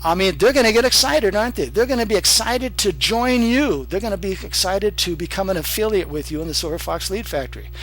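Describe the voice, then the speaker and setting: A man's animated, fairly quick delivery with music in the background. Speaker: online marketing trainer. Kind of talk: tutorial. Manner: fast.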